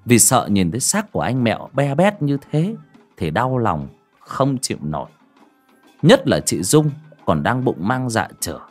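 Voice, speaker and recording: A man narrating a village ghost story in a lively storytelling manner. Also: mid-range voice.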